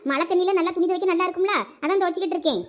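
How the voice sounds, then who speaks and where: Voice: very high-pitched, fairly even intonation, rapid-fire. A voice actor playing a stubborn, fussy older mother-in-law in a cartoon, with a Thoothukudi Tamil accent. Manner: stubborn, complaining. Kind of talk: cartoon voice acting.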